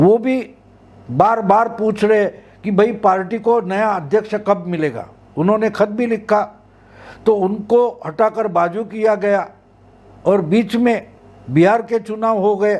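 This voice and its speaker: Fairly even intonation broken by long, frequent pauses. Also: man, high pitch for a man. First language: Marathi (speaking Hindi). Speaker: political journalist and commentator. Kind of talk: political commentary monologue.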